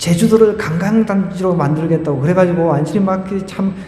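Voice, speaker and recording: Over noticeable background noise and audible room echo, a man with a high pitch talks at a fairly slow pace. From South Korea, Gyeongsang province. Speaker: pastor. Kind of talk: sermon.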